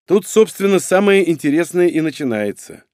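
A man reading an audiobook voices a blunt, sardonic young man in a raised, lively way. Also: a little high, normal speed, dry recording, clean studio sound, pitched above the performer's own voice. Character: cocky young male hero, blunt and sardonic.

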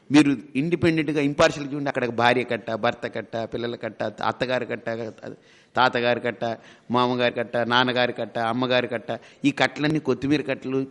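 A man's voice: medium pitch, fairly bright tone. A man giving a spiritual discourse, telling stories animatedly, acting out family members and asking rhetorical questions that he answers himself. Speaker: spiritual teacher.

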